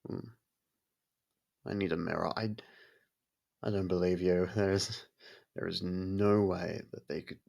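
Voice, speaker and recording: A man playing a courteous, brooding vampire in an intimate ASMR audio roleplay, with a gravelly, husky voice and halting, hushed delivery. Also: low voice, steady tone. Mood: disbelieving, flustered. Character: brooding male vampire, courteous, softened toward a human. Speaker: voice actor.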